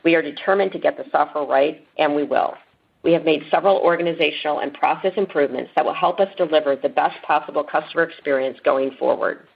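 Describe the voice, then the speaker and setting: A woman executive reading a scripted earnings call statement in a formal, measured corporate manner. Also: deep voice, vocal fry, husky. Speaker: company executive. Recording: muffled lo-fi conference call clip.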